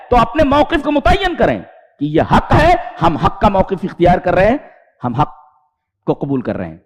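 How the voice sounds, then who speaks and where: A man preaches Quranic commentary in a high, animated voice that leaps up to loud emphatic peaks and drops to quiet low asides. He recites Arabic verses and retells stories with acted quoted speech. His voice rings with the long reverb of a hall. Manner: recites Arabic verses, then explains them. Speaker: Islamic preacher.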